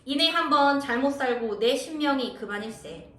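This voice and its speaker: A woman teaching a literature class, explaining a classical text line by line and acting out the characters' lines in a high, tearful voice. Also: animated, moderate pace, a bit bright, reverberant, distant mic.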